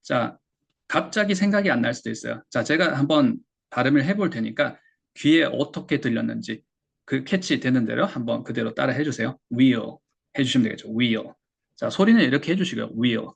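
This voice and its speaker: A Korean man teaching English pronunciation, patiently explaining and slowly repeating words for learners. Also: mid-range voice, expressive, gravelly, husky. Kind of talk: explaining lesson.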